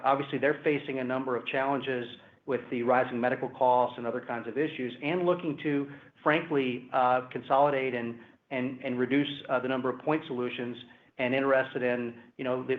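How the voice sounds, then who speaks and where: Man, company executive, measured corporate answers, roomy echo, narrow phone-like conference line. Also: medium pitch, fairly even intonation. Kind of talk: earnings call answers.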